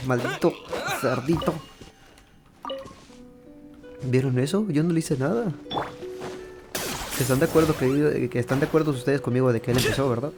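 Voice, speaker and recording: A man with a Mexican accent giving casual, joking gameplay commentary as a gaming video host. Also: mid-range voice. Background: game music.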